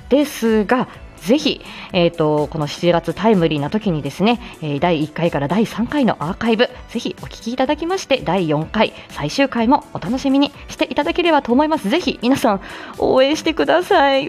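Woman host, casual live-stream chat, lively pitch, laughs often, faint background music. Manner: chatty, laughs often, many fillers.

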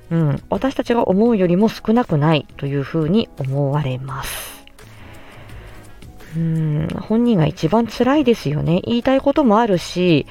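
Gentle woman explaining, soft music behind. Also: on the low side. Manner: thoughtful, explains slowly with many fillers. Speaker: speech-language therapist; podcast host. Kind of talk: solo educational podcast talk.

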